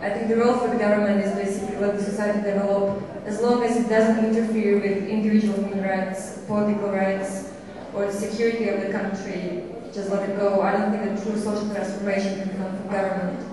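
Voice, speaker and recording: A woman's voice: medium pitch, little pitch movement, brisk, a crowd in the background. A woman from Slovakia, speaking directly and giving opinions on a discussion panel. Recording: echoey hall, distant mic, audience.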